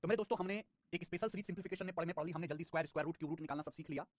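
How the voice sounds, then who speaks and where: His voice a little high, a young man conducts a live online math class, speaking fast and lively, repeating numbers and phrases again and again, and scolding students with life advice. The studio-quality audio has no echo.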